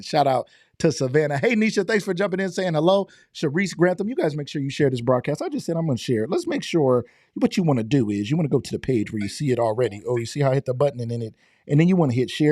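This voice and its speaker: A middle-aged man hosting a live online show, slightly hoarse from losing his voice, talking in an upbeat, chatty way and greeting viewers by name. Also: medium pitch, warm tone, dry recording, clean studio sound. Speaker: host.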